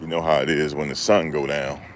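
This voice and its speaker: Over background noise, a livestream host with a rumbling low voice speaks fairly quickly in a flat delivery. His casual chat with live viewers is full of jokes and rambling, and he replies to chat as he goes.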